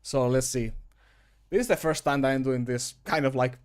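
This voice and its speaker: A man's voice: medium pitch, steady tone, normal speed, clear, resonant tone. A man in his thirties chatting casually on a livestream in a rambling, self-deprecating way. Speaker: streamer and game modder. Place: small home room, indoors.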